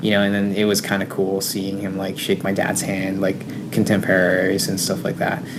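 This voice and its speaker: A man with a Canadian accent, fairly low pitch, ordinary pitch variation and moderate pace, amid audible room echo and noticeable background noise. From Toronto, Canada (born in the Philippines). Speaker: comic book writer and artist. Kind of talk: podcast interview. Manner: halting.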